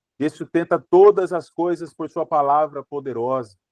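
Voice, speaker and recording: A man speaks with a Brazilian accent in a fairly high voice. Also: dry, close sound with no echo. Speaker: bible teacher. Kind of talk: bible teaching.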